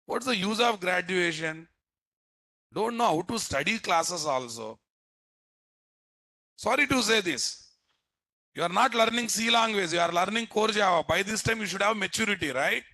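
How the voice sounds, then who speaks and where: A programming instructor with a Telugu Indian English accent teaches a live class, bluntly scolding his students, repeating himself and firing off rhetorical questions. His high-pitched voice is expressive and sharp, at a normal speed with frequent pauses. The recording is dry.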